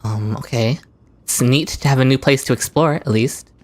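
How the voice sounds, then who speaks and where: A man's voice: mid-range voice, normal speed, dry recording. A young man casually commenting on a game while live-streaming, chatty and giggly as he answers his chat. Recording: stream with game music behind.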